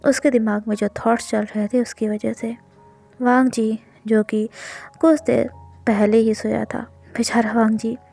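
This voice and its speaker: A woman narrating a romance story in an expressive, dramatic storytelling way. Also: fairly high pitch, creaky.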